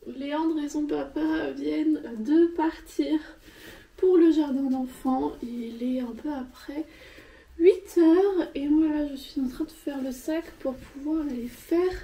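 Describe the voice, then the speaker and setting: A woman's voice: high-pitched, slow, dark tone. A young woman, tired and sniffly with a cold, chatting casually at home for her vlog with lots of hesitant fillers. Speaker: vlogger. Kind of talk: casual vlog chat to camera.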